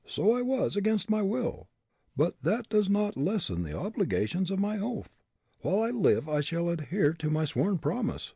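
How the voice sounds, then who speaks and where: A man playing a defiant young prisoner, pitched high. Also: sing-song, moderate pace, vocal fry, dark tone, husky, no echo, full character voice. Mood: wry. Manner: proud, scornful.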